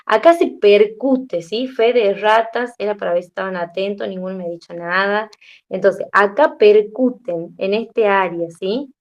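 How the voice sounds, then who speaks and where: A woman's voice: medium pitch, moderate pace, muffled recording. A young adult woman teaching a class, tired, explaining step by step and often checking in with her students. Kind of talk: classroom lecture.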